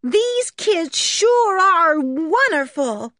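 A woman voicing a spoiled young American girl who pleads in a high, drawn-out voice. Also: big pitch swings, fairly bright tone, no echo, studio quality, full character voice. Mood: pleading.

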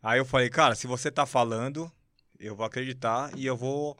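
A man's voice: mid-range voice, steady tone, a little fast, pushed and bright, a little hiss or hum. A Brazilian man hosting a casual podcast chat, informal and slangy, often repeating his words. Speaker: podcast host, interviewer.

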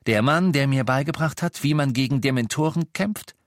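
A man's voice: mid-range voice, moderate pace, no echo, studio quality, pitched above the performer's own voice, close to an everyday voice. A man reading the part of a young wizard who lashes out in angry, accusing outbursts. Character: young male wizard, furious and defiant. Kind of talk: audiobook character voice.

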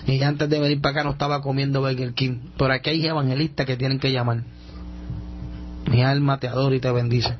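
A man's voice: medium pitch, little pitch movement, fast, a little hiss or hum. A man hosting a call-in Christian radio show, preaching and praying fervently with lots of repetition. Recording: dull radio audio.

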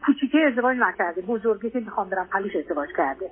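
Through a thin, tinny telephone line comes a mature woman with an Iranian Persian accent and a mid-pitched voice. She is a caller giving a personal account, hesitant and polite, with a deferential way of speaking. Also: lively intonation, crowd noise. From Iran. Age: 50s or older. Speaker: caller seeking advice. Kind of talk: personal account on a radio advice call. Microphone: phone call to a radio show. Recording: tinny narrow-band phone line.

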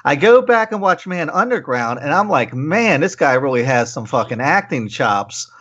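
A man's voice: fairly high pitch, sing-song, normal speed, a bit bright, husky. An American man hosting a casual podcast interview, talking with enthusiasm and easy swearing. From Maryland, USA. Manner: profane, enthusiastic talker. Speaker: podcast host. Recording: dull lo-fi audio.

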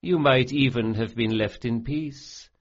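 A man's voice: mid-range voice, unhurried, lo-fi sound, natural voice. A man voicing a smug, cruel male sorcerer who sneers and relishes every cruelty. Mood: gloating.

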